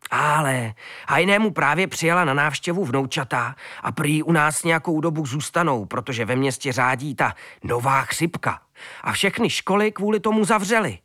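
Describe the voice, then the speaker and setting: A man's voice: sits high, lively intonation, a bit bright, no echo, clean studio sound, pitched above the performer's own voice. A man voicing a clumsy, apologetic male dog in a storybook reading, eager and sheepish. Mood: excited.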